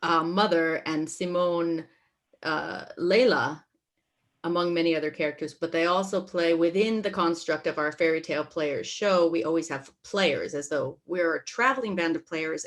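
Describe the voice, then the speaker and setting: Slightly low-voiced woman explaining casually. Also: moderate pace. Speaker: stage manager, panelist. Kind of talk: casual panel chat, explaining.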